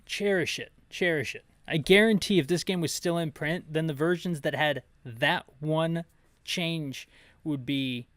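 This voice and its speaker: Casual man with a slightly high voice. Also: unhurried, fairly bright tone, dry recording. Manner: casual, jokey, opinionated. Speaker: video game playthrough host and narrator. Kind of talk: rambling game commentary with descriptive narration. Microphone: close mic, bumped now and then.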